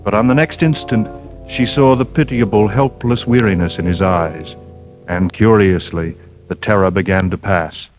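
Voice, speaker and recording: A man narrating a 1940s radio suspense drama in a measured, suspenseful way. Dull vintage radio recording. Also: lowish voice, soft background music.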